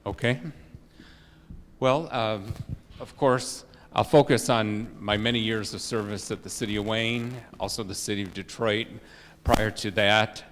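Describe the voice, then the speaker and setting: Loud middle-aged guy interviewing for a job, lots of uhs, kinda low voice, echoey meeting hall. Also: steady tone, a little slow, a little hiss or hum. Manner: loud voice, many fillers and restarts. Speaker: job candidate. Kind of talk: formal interview answers. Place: township meeting room. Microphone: handheld mic. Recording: long hall reverb.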